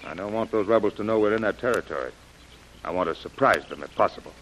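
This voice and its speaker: An actor playing a brisk male expedition commander who gives crisp orders, in 1930s radio drama style. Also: on the low side, fairly bright tone, slight background noise, natural voice, low-quality recording. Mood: commanding.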